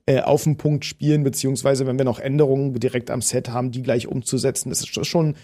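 A man's voice: medium pitch, little pitch movement, fast, warm tone. Chatty man with a Berlin accent. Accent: Berlin dialect. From Potsdam, Germany. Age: 30s. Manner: chatty, laughs often, many fillers and restarts. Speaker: actor. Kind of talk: interview conversation.

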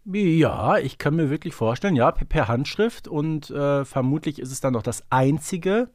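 A man's voice: a little high, lively intonation, normal speed, a little mellow, no echo, clean studio sound. A man co-hosting a podcast, explaining things casually and reflectively, with some hesitation. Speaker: podcast co-host. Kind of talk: casual, knowledgeable fan discussion.

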